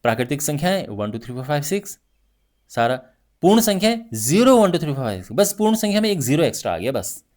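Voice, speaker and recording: A male math teacher giving a lively classroom lesson, talking through each point with frequent check-ins to his students. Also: mid-range voice, rapid-fire. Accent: Hindi.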